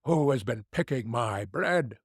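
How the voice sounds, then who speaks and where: A man's voice: mid-range voice, lively intonation, unhurried, slightly rough, dry recording, studio quality. A man voicing seven little dwarfs in an audiobook, asking indignant questions in turn. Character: seven little male dwarfs, fussy and puzzled.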